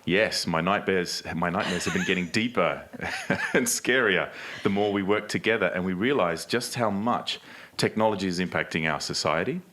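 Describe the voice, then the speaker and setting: A man's voice: low voice, moderate pace, a bit bright, slight background noise. A man co-hosting a live podcast on stage, speaking like a polished presenter who asks the audience questions. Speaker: podcast co-host. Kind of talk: live podcast panel talk.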